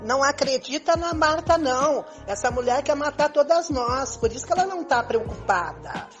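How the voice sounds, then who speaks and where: Woman playing fairly high-voiced possessive lover. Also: expressive, moderate pace, a bit bright, soft background music. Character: anxious, possessive, quick-tempered woman in love with playboy. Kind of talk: amateur improvised radio soap opera.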